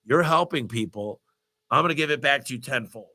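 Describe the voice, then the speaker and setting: A man hosting a live business Q&A, talking in an energetic, motivational, rambling way while congested with a cold. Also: mid-range voice, brisk. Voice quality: stuffy, nasal. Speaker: host of a business Q&A livestream. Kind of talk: live Q&A answering viewer questions.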